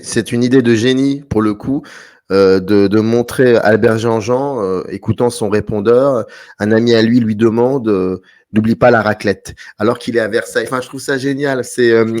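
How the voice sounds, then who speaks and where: A man from France hosting a casual film discussion, thinking aloud with enthusiasm. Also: mid-range voice. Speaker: host.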